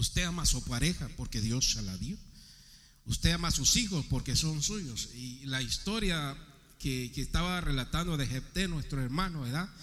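With audible room echo, a man speaks fairly slowly in a fairly high pitch, his intonation lively and his voice showing vocal fry. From Mexico (rural ranch). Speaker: church brother preaching. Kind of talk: sermon.

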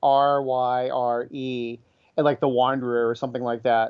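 This is a man speaking at a fairly slow pace. His pitch sits in the medium range. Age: 50s. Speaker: horror fiction author. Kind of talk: interview. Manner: halting with frequent repetitions.

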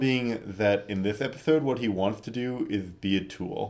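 A man's normal speaking voice, fairly low in pitch, with an American accent. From Oklahoma. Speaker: podcast co-host. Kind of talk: casual chat.

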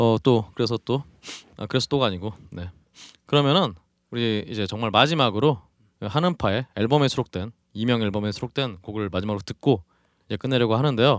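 In a very clean recording with a silent background and a dry, close sound with no echo, a man speaks fairly quickly at medium pitch with ordinary pitch variation, leaving long, frequent pauses. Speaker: radio host. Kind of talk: casual chat. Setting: studio.

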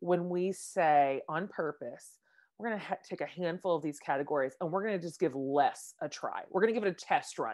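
In a quiet background, a woman with an American accent and a plain, everyday voice talks at a moderate pace, her fairly low pitch showing ordinary variation. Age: 40s. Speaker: author and podcast host. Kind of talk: interview.

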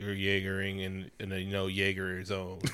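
In a put-on, robotic character voice, a man speaks at a moderate pace with a very deep, low pitch and monotone, flat intonation. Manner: deadpan, mock-authoritative.

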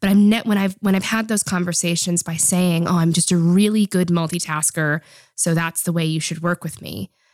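At a fairly quick pace, a woman with a Boston accent and fairly low pitch speaks with fairly even intonation. The recording is very clean, with a silent background. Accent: Boston-area American, non-Dutch. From Boston, US. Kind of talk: casual interview chat.

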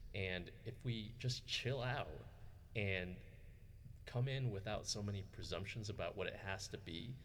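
The man's American accent comes with pitch that shifts in an ordinary way. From New York. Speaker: guest. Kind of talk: casual interview chat.

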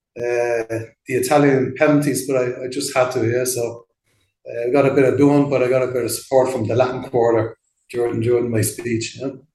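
A man speaks at a fairly quick pace and medium pitch with a dark, mellow, somewhat breathy tone. His intonation stays monotone and flat. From Dublin, Ireland. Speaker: football fan living abroad. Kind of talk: casual interview.

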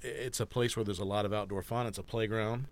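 This man has an American accent and a medium pitch, and his intonation stays monotone and flat. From Georgia, US South. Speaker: beer buyer and former brewer. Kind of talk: casual chat. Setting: studio.

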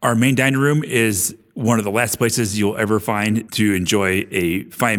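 At a moderate pace, a man with a Midwestern accent speaks with a fairly low pitch and ordinary pitch variation. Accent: General American (Midwest). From US Midwest (Cedar Rapids, Iowa). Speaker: executive chef. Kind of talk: interview.

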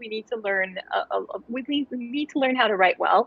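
A high-pitched woman's voice with an American accent at a moderate pace. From United States. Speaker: lawyer and legal translator. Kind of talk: interview.

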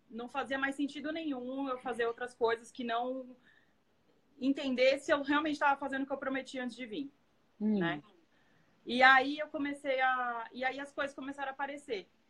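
Her high pitch and bright, sharp tone carry a woman's fairly even intonation at a moderate pace. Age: 30s. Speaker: civil engineer and university lecturer. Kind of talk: live stream counseling conversation.

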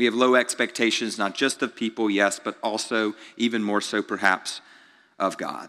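Bright and sharp in tone, a man's medium-pitched voice moves at a moderate pace with monotone, flat intonation. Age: 40s. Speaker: pastor. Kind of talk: sermon.

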